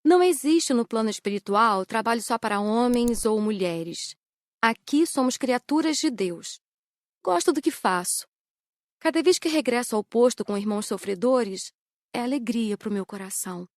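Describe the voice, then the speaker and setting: Woman playing a high-voiced, devoted young rescue worker. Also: animated, moderate pace, no room sound, studio quality, natural voice. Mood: serene, devoted. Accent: Brazilian. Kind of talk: audiobook character dialogue.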